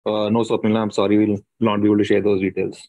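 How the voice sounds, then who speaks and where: A man speaking as a company executive, giving measured, hesitant answers on an earnings call. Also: lowish voice, completely flat delivery, warm tone, no room sound. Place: conference call.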